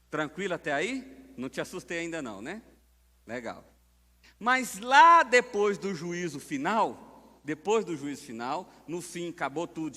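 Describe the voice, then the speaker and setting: A man with a Brazilian accent preaches a sermon, chatting with the congregation through rhetorical questions. His voice sits fairly high and jumps up to stress key points. A long church reverb trails behind every phrase. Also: a bit bright. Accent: Brazilian Portuguese. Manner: conversational preaching with rhetorical questions and sudden emphatic rises. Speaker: pastor. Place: church sanctuary.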